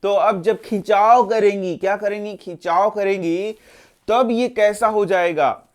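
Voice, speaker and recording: A man's voice: sits high, fairly even intonation, unhurried. A male teacher running an exam-prep lesson, posing questions to the students, answering them himself and repeating each answer. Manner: role-plays a tired student's interruptions.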